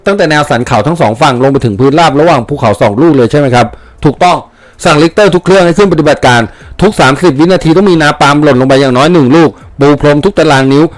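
A man voicing a blunt, hawkish American colonel who speaks forcefully and stresses every order. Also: on the high side, fast, no room sound, natural voice. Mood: commanding.

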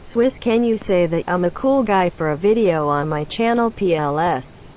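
A synthetic female voice reading donation messages in a flat, mechanical way. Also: lowish voice, normal speed, slight background noise. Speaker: donation text-to-speech voice.

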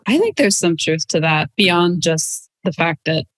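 A woman's voice: fairly low pitch, lively intonation, unhurried, dry recording. A woman in her thirties from Denmark, speaking tentatively and reflectively in a conversational interview. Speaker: psychologist guest, relationship podcaster. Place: home room, indoors. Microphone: video call, wearing headset.

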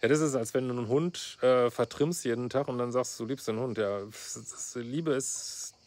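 A man's voice: mid-range voice, normal speed, a little mellow. A middle-aged man, a couples therapist, reading out a viewer's letter and commenting on it bluntly and sarcastically. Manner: blunt, sarcastic, frequent "ne?" tags and fillers. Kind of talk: casual reaction vlog, reading out and commenting.

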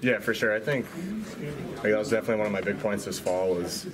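A man's voice: on the low side, steady tone, fast. A young man, a college football player, chatting casually with lots of "like" and "definitely" into reporters' mics. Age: young adult. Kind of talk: postgame locker room interview. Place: locker room hallway, indoors. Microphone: handheld reporter mics. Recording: loud crowd noise around.

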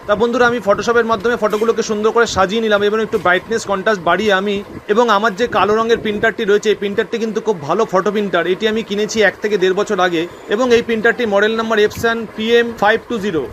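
Brisk, high-voiced Bengali man. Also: steady tone, a bit bright, slight background noise. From West Bengal, India. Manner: brisk, instructive, addresses viewers as friends. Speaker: cyber cafe owner and channel host. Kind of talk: explanatory voice-over narration.

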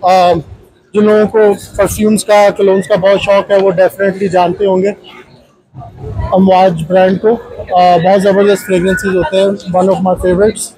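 A man's voice: high-pitched, level tone, moderate pace, warm tone, husky, rough recording. A man with a South Asian accent hosting a casual walk-through vlog, chatty and playful, mixing in English words. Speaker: vlog host. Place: inside a large shopping mall.

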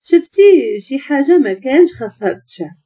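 A woman's voice: high-pitched, sing-song, brisk, mellow, voice pushed up. Woman voicing a cold, menacing young man. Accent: Moroccan. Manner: cold and threatening. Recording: muffled lo-fi recording.

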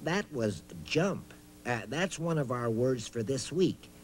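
A man's voice: medium pitch, animated, takes it slowly, a little hiss or hum. A man voicing a talking boot puppet on a children's reading show, eager and hammy, hesitating as he talks straight to young viewers. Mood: encouraging. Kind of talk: children's reading lesson, playful recitation.

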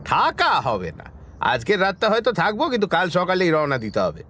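A man's voice: high voice, huge pitch swings, a little fast, noisy background. An actor playing a good-natured, insistent middle-aged village man chatting familiarly with an old friend in an audio story. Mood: friendly, chatty.

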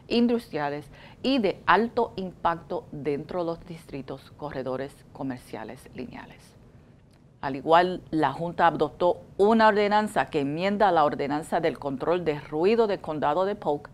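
A woman's voice: on the low side, a little hiss or hum. A middle-aged woman hosting a community TV program, chatty with casual Spanglish, on a lapel mic in a studio. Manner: chatty, warm-toned studio host, uses Spanglish. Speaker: TV show host. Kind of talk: community TV news and interview.

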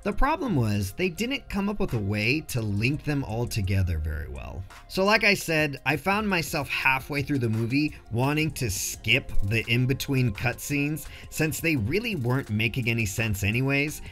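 A man's voice: mid-range voice, sing-song, normal speed, few pauses, a bit bright, soft background music. A man narrating a casual scripted film review in a jokey, slangy way.

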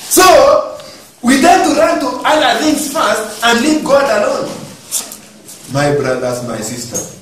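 A man preaching a sermon in an animated way, often asking the congregation questions. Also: very high voice, a little slow, slight background noise. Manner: animated, code-switching, asks the congregation questions. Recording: echoey hall from a distant mic.

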